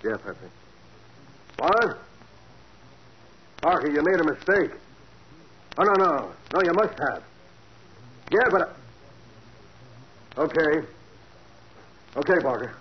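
Blunt police sergeant. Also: male voice, fairly high pitch, sing-song, slow pace, long pauses. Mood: matter-of-fact. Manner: blunt, matter-of-fact. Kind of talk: 1940s radio acting. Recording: dull hissy 1940s radio recording.

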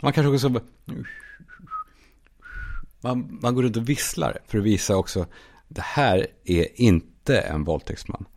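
A man hosting a solo comedy podcast, telling absurd stories in a deadpan way and now and then shouting out quoted lines. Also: lowish voice, gravelly, pauses often. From Sweden. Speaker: podcast host.

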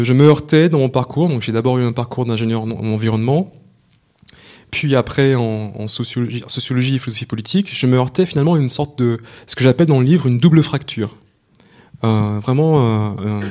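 A man's voice: mid-range voice, darkish tone. Hesitant man from Martinique. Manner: hesitant, many fillers and repeated words. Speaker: author and researcher. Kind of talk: book talk at a public event.

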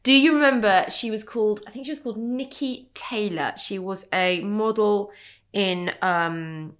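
A woman's voice: medium pitch, moderate pace, a bit bright. A middle-aged woman co-hosting a podcast, chatty and rambling, a bit stuffed up with a cold. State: bunged up with a cold. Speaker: podcast co-host. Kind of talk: casual kitchen chat.

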